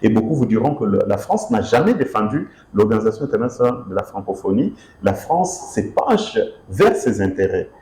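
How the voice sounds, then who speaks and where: Emphatic author with lively pitch. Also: male voice, a little fast, hardly any pauses, echoey room, slight background noise. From DR Congo, Kinshasa. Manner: expressive, emphatic, repeats himself with fillers. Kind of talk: interview answers.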